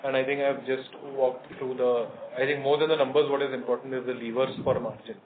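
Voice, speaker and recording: A man with an Indian accent answering analysts on an earnings call as a company executive, in a measured, hesitant manner. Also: mid-range voice, little pitch movement. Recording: noisy narrowband phone conference line.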